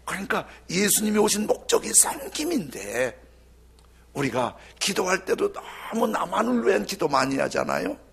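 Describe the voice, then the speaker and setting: A male pastor preaching a sermon with dramatic swings between loud cries and near-whispers. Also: sits high, huge pitch swings, normal speed, vocal fry, husky.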